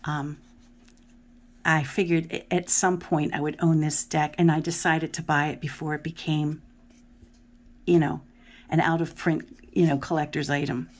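A woman's voice: low voice, level tone, unhurried, long pauses. A middle-aged woman with a Philadelphia accent, chatting at home in a rambling way as she shows tarot cards, sometimes trailing off into a murmur. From Philadelphia area. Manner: chatty, rambling, often drops to a murmur while looking at cards. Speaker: tarot video host. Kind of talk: casual deck walkthrough. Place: home table. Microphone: camera above the hands, speaker off frame.

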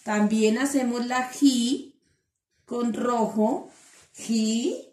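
A woman teacher, dictating words slowly and syllable by syllable to young children in an online class. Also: medium pitch, a little mellow. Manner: slow, syllable-by-syllable dictation with endearments. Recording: echoey room.

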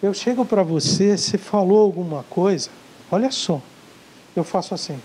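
High-voiced Brazilian man lecturing. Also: expressive, normal speed, mellow, breathy edge, low-quality recording. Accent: Brazilian Portuguese. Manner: emphatic, repeats key words, acts out dialogues. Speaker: sales coach giving a lecture. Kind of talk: live motivational lecture. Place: lecture hall with a live audience.

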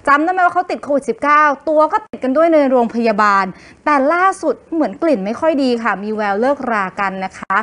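A woman's voice: high-pitched, fast, few pauses. A woman co-hosting a television entertainment news show, presenting celebrity stories playfully and teasing her co-host. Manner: playful, expressive, teasing questions.

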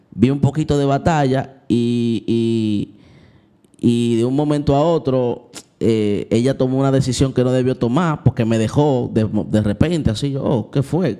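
A man's voice: medium pitch, warm tone. A young man tells a personal story in a vlog. He speaks candidly and confessionally, talking straight to his viewers and acting out the moments he describes. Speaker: Christian vlogger.

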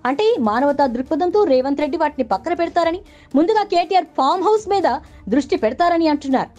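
High, quick-talking woman news narrator. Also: lively intonation, darkish tone. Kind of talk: scripted news voice-over. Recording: dull lo-fi audio under music. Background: background music bed.

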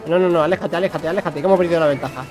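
Young guy streaming a game, high voice, talks at the bugs, faint music behind. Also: rapid-fire. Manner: excitable, talks to himself and the creatures. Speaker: gaming streamer. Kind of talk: live gameplay commentary.

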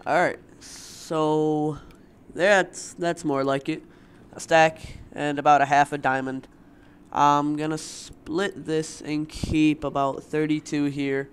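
A young man hosting a let's play, talking loosely with lots of fillers, his voice a bit raspy from the morning, at a desktop mic at home. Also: a little high, little pitch movement, takes it slowly. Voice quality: loose, rambling, filler-heavy. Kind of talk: casual gameplay commentary.

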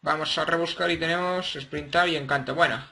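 A man giving casual, excitable gameplay commentary and playfully cooing at his game creatures. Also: on the high side, brisk.

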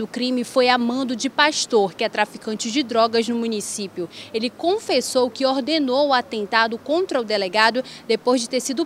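A woman field reporter giving a brisk, factual news report. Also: a little high, a bit bright, slight background noise.

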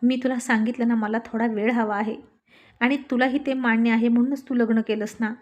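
A woman's voice: on the high side, fairly even intonation, fairly quick, darkish tone, dull audio, natural voice. A woman voicing a stubborn, irritable young husband who talks in curt, scolding lines. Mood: irritated.

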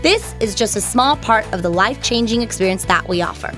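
A woman's voice: mid-range voice, lively intonation, a little fast, fairly bright tone, soft background music. A woman giving scripted narration for a promotional video, with upbeat, lilting emphasis.

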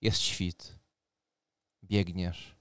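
A man's voice: sits low, little pitch movement, very slow, a bit bright, clean tone, no echo, studio quality. A man working as game master, narrating a tabletop roleplaying game in a dramatic storytelling manner. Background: music.

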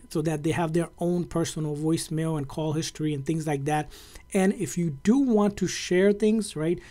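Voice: mid-range voice, warm tone. A tech tutorial host explaining things casually, in a conversational, informal and somewhat repetitive way.

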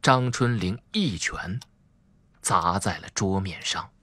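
A man's voice: low-pitched, takes it slowly, pushed and bright, a little hiss or hum. A man narrating a suspense audiobook in a dramatic, emphatic storytelling manner.

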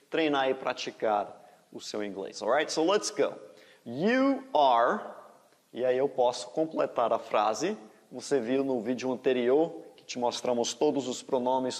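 A man teaching English in a lesson, speaking slowly and drawing out model sentences, with Portuguese as his first language. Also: medium pitch, a little mellow, long reverb tail. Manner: slow, drawn-out model sentences.

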